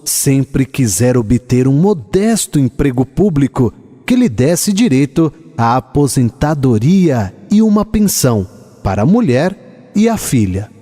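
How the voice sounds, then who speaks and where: A Brazilian man narrating a literary radio drama in a measured, expressive storytelling manner. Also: mid-range voice.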